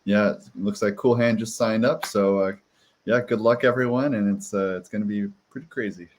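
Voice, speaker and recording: A man co-hosting a live podcast over a video call, giving breezy, upbeat announcements and shout-outs. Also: on the low side, fairly even intonation, moderate pace. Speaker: podcast co-host and producer. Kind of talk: casual live-stream announcements.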